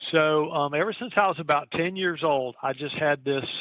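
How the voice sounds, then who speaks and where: A man speaks with a Southern US accent at a fairly quick pace. His pitch is fairly high. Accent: Southern American. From North Carolina, US South. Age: 50s. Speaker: football radio play-by-play announcer. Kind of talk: interview.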